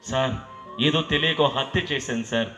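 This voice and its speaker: A man's voice: mid-range voice, normal speed, pushed and bright, natural voice. A man voicing a male murderer who weeps and begs a lawyer for mercy. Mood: pleading. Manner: whining, repeated begging. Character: pleading, sobbing male murderer begging for mercy. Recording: echoey hall with long reverb and faint music.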